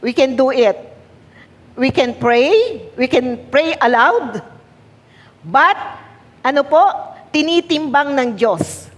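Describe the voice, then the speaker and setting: A woman's voice: high-pitched, expressive, slow, long pauses. A woman pastor with a Filipino accent preaching a sermon, switching between Tagalog and English, repeating key words for emphasis and calling on the congregation to answer. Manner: mixes Tagalog and English, asks the congregation for responses. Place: church hall. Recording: long hall reverb.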